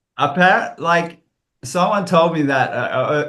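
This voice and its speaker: The tone is bright and sharp. The voice carries an Australian accent. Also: man. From Western Australia, Perth. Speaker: entrepreneur. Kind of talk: casual interview.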